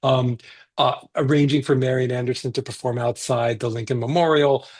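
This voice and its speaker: A man's voice: mid-range voice, normal speed, slightly rough. A man talking about his picture book in a casual panel chat, enthusiastic and full of restarts. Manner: enthusiastic, animated, with many restarts and fillers.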